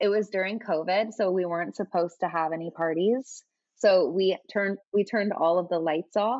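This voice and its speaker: A woman with an American accent speaks at a medium pitch and a moderate pace, her pitch varying an ordinary amount. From California. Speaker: florist and shop owner. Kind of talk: interview.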